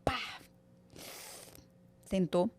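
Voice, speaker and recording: A woman guest on a podcast, telling a family story in an animated way and acting out the dialogue. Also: very slow, no echo. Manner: animated, acts out quoted dialogue. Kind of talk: casual storytelling.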